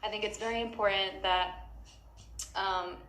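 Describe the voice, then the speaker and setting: A woman's voice: mid-range voice, steady tone, measured pace, fairly bright tone, reverberant, a little hiss or hum, poor audio. A young woman giving casual advice as a music teacher, chatty and full of fillers.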